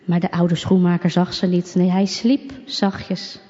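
A woman calmly reading a storybook aloud, unhurried, with small slips. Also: lowish voice. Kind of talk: storybook narration read aloud. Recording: dull recording with long reverb.

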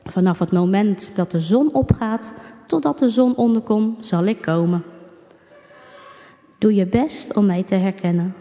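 A woman's voice: medium pitch, a little slow, lightly acted. A woman voicing a mysterious, kind male voice that calls out solemnly in a storybook. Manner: calling out, solemn and gentle. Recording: dull recording with long reverb.

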